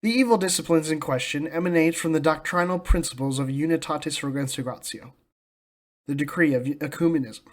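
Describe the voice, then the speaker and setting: Higher-pitched American man, solemn religious commentary. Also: a little fast. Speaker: host of a religious commentary channel. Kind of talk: scripted polemical commentary.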